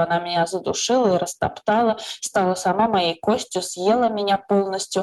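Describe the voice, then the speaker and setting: A normal speaking voice from a woman, at medium pitch and a moderate pace. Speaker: poet and feminist activist. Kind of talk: interview with poetry reading.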